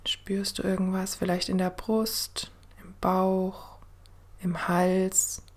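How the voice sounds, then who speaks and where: A woman host guiding a meditation in the soothing manner of a sleep story narrator, gentle and unhurried, with a soft, breathy voice that often drops to a near-whisper. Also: medium pitch, monotone. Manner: gentle, unhurried, with long pauses. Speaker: podcast host and meditation guide.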